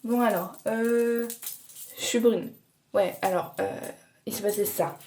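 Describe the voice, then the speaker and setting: A woman's voice: medium pitch, fairly even intonation, a little slow, a little mellow, far from the mic. A woman vlogging casually as she tidies her bedroom, chatty, rambling and poking fun at herself. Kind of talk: casual vlog chat while tidying. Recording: echoey room, voice from off-mic, faint background clatter.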